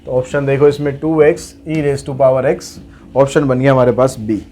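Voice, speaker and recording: A man's voice: mid-range voice, steady tone, moderate pace, mellow, a little hiss or hum. A man teaching a maths lesson, working through problems step by step and asking and answering his own questions. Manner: explains steps aloud, asks and answers his own questions.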